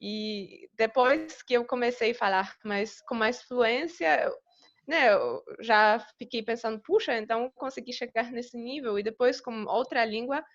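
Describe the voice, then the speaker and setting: A woman's voice: fairly high pitch, measured pace, muffled recording. A Polish woman with a Polish accent, a guest in a video-call interview, speaking thoughtfully with many hesitations. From Poland. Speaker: guest, polyglot.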